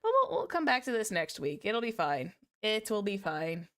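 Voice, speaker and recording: A woman streaming casually to her viewers, chatty and repeating herself, her voice slightly hoarse. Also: mid-range voice, very animated, moderate pace, fairly bright tone. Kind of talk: casual livestream chat.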